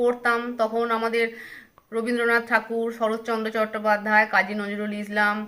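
Fairly high in pitch, a woman speaks with a bright, sharp tone. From West Bengal, Hooghly district. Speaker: writer and schoolteacher. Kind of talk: interview.

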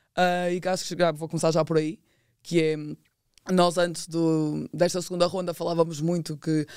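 In a very clean recording with a silent background, a woman with a European Portuguese accent speaks at a fairly low pitch and moderate pace, her dark, mellow tone carried in monotone, flat intonation. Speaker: podcast host. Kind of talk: casual chat. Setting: studio.

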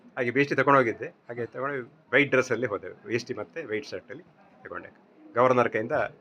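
Against noticeable background noise, a man at a medium pitch keeps his intonation fairly even while his loudness swings widely. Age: 60s. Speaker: retired engineer, yoga graduate. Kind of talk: interview.

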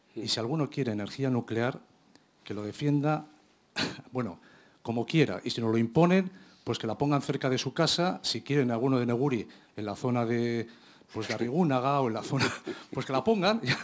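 The man's pitch sits in the medium range with ordinary variation. He moves at a fairly quick pace but takes long, frequent pauses. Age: 50s. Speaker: audience member. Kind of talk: audience question. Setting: lecture hall with audience.

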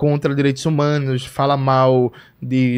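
In a quiet setting, a man talks with a fairly high voice. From Brazil. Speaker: communist commentator. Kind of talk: political discussion. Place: home room. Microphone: studio mic.

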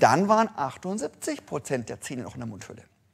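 A man talks at a moderate pace in a high voice. The background is quiet. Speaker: dentistry professor. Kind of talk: lecture. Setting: stage with audience. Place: hall.

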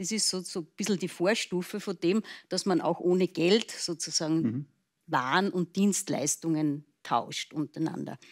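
Against a quiet background, a woman talks at a moderate pace with a fairly low pitch and ordinary pitch variation. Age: 60s. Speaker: house swapper; talk show guest. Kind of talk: talk show conversation. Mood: cheerful, lively. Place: studio.

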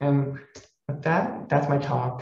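A man's voice with audible room echo. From Hawaii, Oahu (Mililani); Hawaii. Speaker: physician scientist. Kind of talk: lecture. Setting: video call from home office. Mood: casual, friendly, self-deprecating. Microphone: video call.

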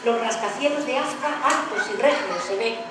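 Female speech at a moderate pace, with audible room echo over noticeable background noise. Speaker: festival presenter. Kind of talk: poetry reading. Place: stage.

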